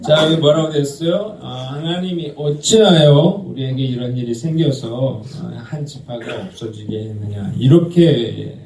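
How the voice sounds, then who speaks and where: 울림이 있는 교회에서 설교하는 남자 목사. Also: male voice, medium pitch, measured pace, hardly any pauses, darkish tone, a little hiss or hum. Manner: asks the congregation questions and answers them himself. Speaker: pastor. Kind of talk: sermon. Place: church sanctuary. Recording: echoey church hall, mic at a distance.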